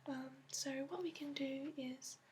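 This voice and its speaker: Soft breathy high-voiced lady doing asmr roleplay w a fake accent, half whispering, lots of pauses, bit of background hiss. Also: steady tone. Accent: put-on accent. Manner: gentle, halting, unhurried explaining with many pauses. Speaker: ASMR roleplay host playing a dragon expert. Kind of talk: softly spoken ASMR roleplay, explaining like a guide.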